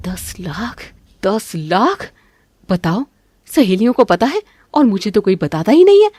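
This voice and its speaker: A woman voicing a greedy, scheming middle-aged mother-in-law in an animated family cartoon, bossy and grumbling. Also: mid-range voice, a little slow, no echo, studio quality.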